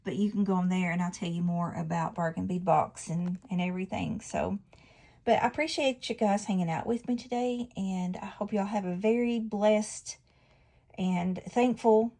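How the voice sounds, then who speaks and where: A woman's voice: medium pitch, steady tone, normal speed, warm tone. Chatty woman demonstrating jewelry making. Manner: chatty, self-correcting, laughs at her slips. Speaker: jewelry-making channel host. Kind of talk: casual craft tutorial.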